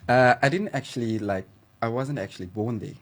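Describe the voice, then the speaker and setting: A man's voice: mid-range voice, a little fast. A South African man in his twenties, a guesthouse manager being interviewed on radio, chatty and hesitant with many fillers. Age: 20s.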